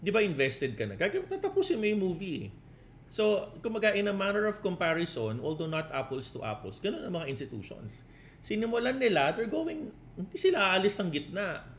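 Pitched high and swooping wildly, his voice runs a little fast over a faint hiss or hum. He's a crypto trading coach livestreaming casually, blending Tagalog and English, reading the chat aloud and repeatedly adding "no?" and "di ba?"

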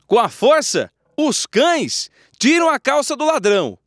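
A man's voice: extremely high pitch, sing-song, measured pace, a bit bright, no room sound. A man narrating news footage in a playful scripted way, with jokey asides to viewers.

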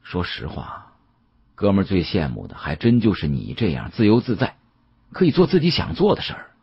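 A male narrator acts out a young audiobook rogue, heir to an antique family, glib but bitter underneath. His slangy, sighing talk is very raspy and swings widely in pitch. The sound is a little dull. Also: huge pitch swings, fairly quick, heavily acted. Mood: heavy, wistful. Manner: colloquial Beijing slang, sighing.

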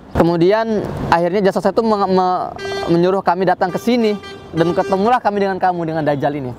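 A man's voice: high-pitched, darkish tone, a little hiss or hum, close to an everyday voice. A man voicing a frightened shipwrecked Arab traveler who recounts his ordeal in a rush.

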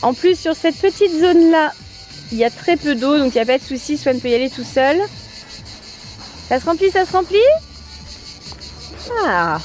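A woman's voice: high voice, lively intonation, normal speed, pauses often, darkish tone, faint music behind. A mother hosting a family vlog outdoors by a garden pool, presenting water toys in a playful, teasing way and laughing often. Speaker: mother and channel host. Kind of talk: toy review vlog narration.

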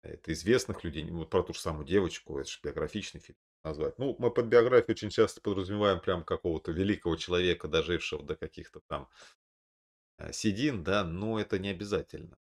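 A man in his thirties with a very low voice and a gravelly, creaky edge. He talks casually to a webcam from a room indoors, rambling on, often losing his thread and correcting himself. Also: fast talker. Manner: rambling, with many fillers and self-corrections. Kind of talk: casual film recommendations to camera. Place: indoor room, seated at a desk.

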